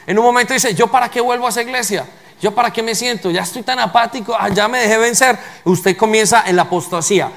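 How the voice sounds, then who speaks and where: A man delivers a sermon as a pastor, speaking with a fairly high-pitched voice. He preaches emphatically and keeps turning to the congregation with rhetorical questions. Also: a bit bright.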